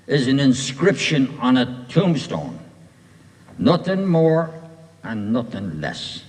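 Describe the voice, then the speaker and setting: A cheeky, blunt Irishman, played by a man, whose voice leaps wildly up and down as he scolds. He draws his words out slowly and mockingly. It is a stage play heard in a hall with long reverb. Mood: lecturing. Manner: boisterous, scolding, mocking, wildly swinging pitch. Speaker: stage actor.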